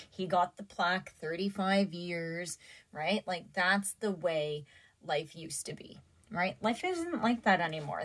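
A woman's somewhat breathy voice at a fairly slow pace, with ordinary pitch variation and big swings in loudness. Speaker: tarot reader. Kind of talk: tarot reading commentary. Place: home room.

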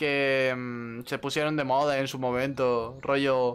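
This man's voice sits at a fairly high pitch. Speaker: gaming streamer. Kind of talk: casual gameplay chat. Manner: halting.

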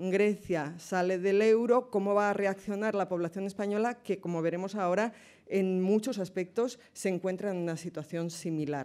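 A woman speaks with a dark, mellow tone and fairly even intonation. She leaves hardly any pauses. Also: moderate pace. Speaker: political science professor. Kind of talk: presentation. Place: hall.

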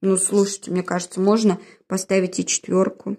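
A woman with a warm tone speaks at a moderate pace. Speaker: schoolteacher. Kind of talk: commentary while grading workbooks. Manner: warm, affectionate.

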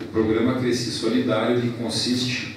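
A man speaks with strong room echo and light background noise behind him. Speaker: president of a professional council. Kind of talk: formal speech. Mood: serious, about flood disaster. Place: hall.

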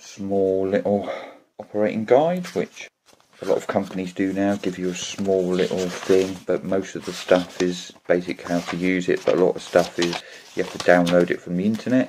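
With noticeable background noise behind him, a man speaks at a moderate pace in a very deep, low voice with monotone, flat intonation. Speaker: unboxing host. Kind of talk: casual unboxing commentary. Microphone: phone near.

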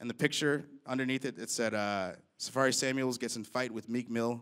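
The recording is very clean, with a silent background. A man with an American accent uses a normal speaking voice at a medium pitch and a fairly quick pace. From Chicago. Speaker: stand-up comedian. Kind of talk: stand-up. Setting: stage with audience.

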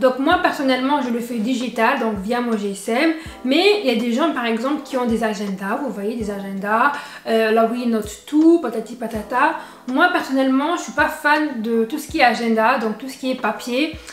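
The speech moves at a moderate pace with ordinary pitch variation. Audible room echo and faint background music accompany it. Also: woman, high pitch for a woman. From Congolese heritage, lives in Belgium. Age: 20s. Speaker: YouTuber, content creator. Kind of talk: casual talk to camera. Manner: calm, relaxed chat. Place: home room.

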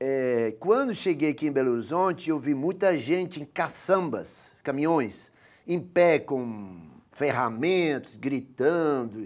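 Speaking at a very slow pace, a man uses lively intonation. His pitch is fairly high. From Belgium, Ypres (Flemish region); Belgium. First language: Dutch (Flemish) (speaking Portuguese). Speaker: theology professor and social activist; interview guest. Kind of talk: interview; interview answer. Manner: halting. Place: studio. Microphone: lapel.

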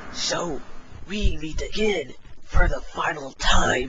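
Against clear background noise, a man with a high pitch speaks at a very slow pace. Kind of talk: comic overacting. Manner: pompous, menacing.

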